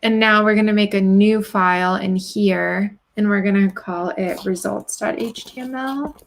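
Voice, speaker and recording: A woman whose first language is Russian, co-hosting a live coding stream and calmly explaining each step. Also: medium pitch, moderate pace, gravelly, slight background noise. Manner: calm and methodical, explains steps. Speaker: co-host walking through code. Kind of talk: casual live-stream chat.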